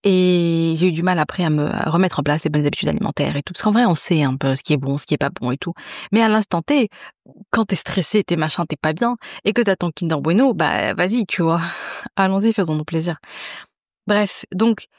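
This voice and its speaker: A woman's voice: on the low side, fairly quick, dry recording, clean studio sound. A woman, hosting a podcast in a chatty, confiding way, full of fillers and restarts. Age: 30s. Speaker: podcast host. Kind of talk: casual chat.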